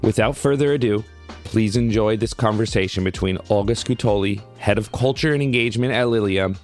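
Brief: male announcer with a low voice over faint music. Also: fairly quick. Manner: smooth, announcer-like delivery. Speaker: podcast announcer. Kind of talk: scripted intro narration.

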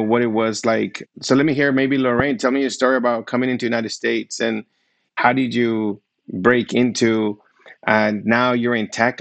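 A man's voice: medium pitch, gravelly, no room sound. Man, middle-aged, podcast host, upbeat, welcoming, dry close sound. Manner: upbeat, welcoming, asks follow-up questions. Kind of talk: friendly interview hosting.

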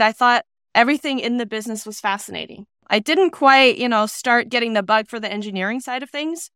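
A woman in her thirties from Iceland, a podcast guest telling stories about her career in a relaxed, chatty way over a video call. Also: on the high side, clear, resonant tone, dry recording, clean studio sound. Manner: chatty, anecdotal, frequent "you know" fillers. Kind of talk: relaxed storytelling interview.

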